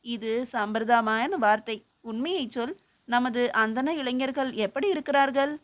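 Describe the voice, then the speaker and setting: A woman voicing an elderly male sage who questions gently but turns firm when he commands. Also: a little high, a little slow, natural voice. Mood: probing.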